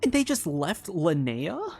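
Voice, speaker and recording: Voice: medium pitch, wildly swooping pitch, slow pace, darkish tone, soft background music. A game streamer giving casual, informal live commentary, reacting aloud in broken, repeated phrases.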